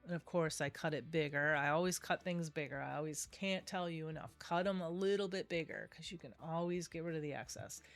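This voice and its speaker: A woman's voice: sits low, a little fast, few pauses, soft background music. A middle-aged woman, nasal from a cold, chatting her way through a craft tutorial and often correcting herself. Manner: chatty, rambling, self-correcting. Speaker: craft video host. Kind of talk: casual craft tutorial voice-over.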